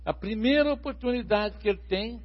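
A man with a somewhat high voice speaks in a measured way about faith. He quotes scripture and explains it point by point. The sound is dull and lo-fi. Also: slightly rough. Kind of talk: casual chat about faith. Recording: dull lo-fi recording.

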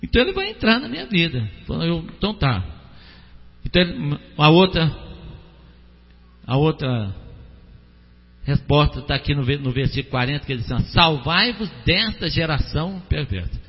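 A man preaching a sermon, with an animated delivery that swings between loud exhortation and soft prayer, calling on listeners by name. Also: fairly high pitch, a little fast, pauses often, breathy edge. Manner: addresses listeners by name, asks them to respond. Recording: dull, lo-fi, echoey hall recording with hum.

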